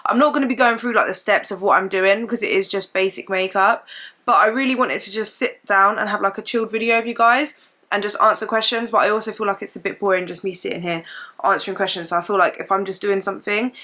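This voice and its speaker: Young woman vlogger, hoarse and croaky, bright forward tone, rambling casual chat at home. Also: medium pitch, fast talker. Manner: chatty, rambling, lots of fillers. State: hoarse and croaky from a chesty cough. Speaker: beauty and fitness vlogger. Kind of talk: casual chat while doing makeup. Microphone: camera mic, sitting in front of camera.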